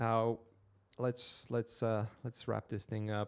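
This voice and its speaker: A man's mumbling, fairly low in pitch, monotone and flat. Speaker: concept artist streaming live painting. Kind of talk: live stream casual talk while painting. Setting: live stream. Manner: casual, halting with many fillers and repetitions.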